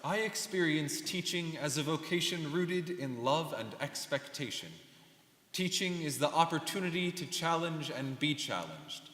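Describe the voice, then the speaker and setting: A young man performing a scripted dramatic reading as a reflective immigrant alumnus, steady and solemn in manner. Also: on the high side, unhurried. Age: young adult. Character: reflective male immigrant alumnus and devoted teacher. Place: large hall. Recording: echoey hall, long reverb.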